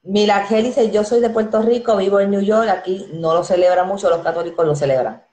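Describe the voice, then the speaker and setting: On her casual live stream, a Dominican woman in her thirties with a Dominican Spanish accent reads viewer comments and names aloud, friendly and chatty, quick to laugh. Her medium-pitched voice is steady and warm and moves fairly quickly. She's in a small room indoors using an earphone headset mic, and the room sounds echoey.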